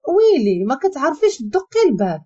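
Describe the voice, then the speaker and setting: Woman playing a scheming jealous young woman, coy, Moroccan, bouncy pitch, husky. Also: big pitch swings, fairly quick, dark tone. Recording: dull lo-fi recording.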